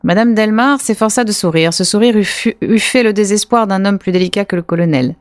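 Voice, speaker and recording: A woman's voice: medium pitch, dry recording. Woman reading a novel aloud, dry sound. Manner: measured reading with brief slips. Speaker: co-host reading a novel excerpt. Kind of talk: literary reading on library radio.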